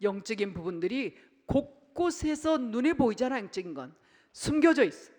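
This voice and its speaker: Animated woman pastor preaching in a reverberant hall. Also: a little high, moderate pace. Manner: animated, swings between loud bursts and hushed asides; acts out family scenes in quoted voices. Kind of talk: Sunday sermon. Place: church sanctuary. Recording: church hall with long reverb.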